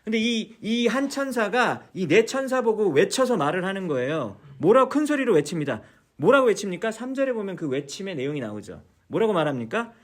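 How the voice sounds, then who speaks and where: A man's voice: sits high, very animated, brisk. A man teaching a church Bible study, explaining patiently, repeating key words and asking his listeners many questions. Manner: mixes English words into explanations.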